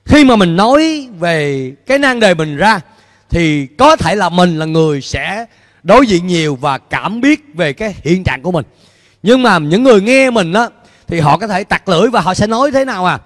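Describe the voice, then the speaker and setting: High-voiced preaching man, lively. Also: moderate pace. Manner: animated preaching, questions to the congregation, gestures with free hand. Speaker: pastor. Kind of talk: sermon. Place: church stage before a large screen, indoors. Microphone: handheld mic. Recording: long hall reverb in a large church.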